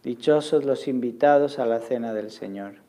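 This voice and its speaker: A man speaking as a Catholic priest, reciting the liturgy of the Mass in a solemn, measured, formal way. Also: medium pitch, dark tone. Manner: measured, formal prayer delivery.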